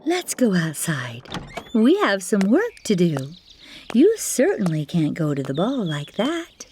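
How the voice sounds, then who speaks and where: A woman voicing a kindly, gently commanding fairy godmother in an animated fairytale, measured and reassuring. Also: medium pitch, a little hiss or hum. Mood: kindly, guiding. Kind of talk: animated fairytale storybook acting.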